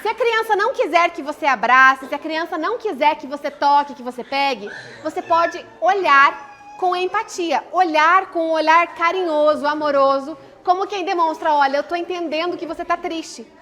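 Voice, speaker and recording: A woman's voice: very high-pitched, moderate pace, pushed and bright. A woman giving a live parenting talk, explaining in a conversational way, often posing a question and then answering it herself. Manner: explanatory, poses and answers her own questions. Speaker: parenting speaker.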